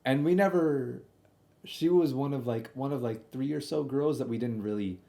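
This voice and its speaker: A man's voice: medium pitch, moderate pace, gravelly, warm tone, a little hiss or hum. A young man telling a casual, slangy stream story, often doubling back and repeating himself as he comments on old videos.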